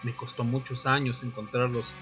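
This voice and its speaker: A man playing a brooding vampire, once a history student, in a radio drama, speaking solemnly in short, deliberate phrases. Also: medium pitch, flat delivery, natural voice. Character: brooding male vampire, former history student, seeking answers. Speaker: narrator and lead actor. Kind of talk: audio drama narration and dialogue. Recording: music bed under the voice.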